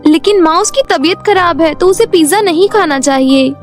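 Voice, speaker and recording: A meek, studious cartoon teen with a very high, girlish voice as a woman plays her. Her talk is soft and pleading, with faint music behind. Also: moderate pace. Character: gentle, studious teenage girl, meek. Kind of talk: storybook cartoon voice acting.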